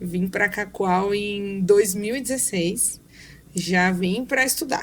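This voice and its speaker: A woman speaks at a very slow pace with a northeastern Brazilian accent. Her voice is somewhat breathy, medium in pitch, with ordinary pitch variation. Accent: northeastern Brazilian (Paraíba). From Paraíba, northeastern Brazil. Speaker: physician. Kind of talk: podcast interview.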